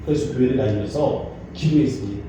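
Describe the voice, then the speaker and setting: A male pastor preaching dramatically, swinging between loud urgent peaks and hushed low asides. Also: fast talker, a little hiss or hum. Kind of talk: sermon. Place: church sanctuary. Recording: echoey church hall, mic far off.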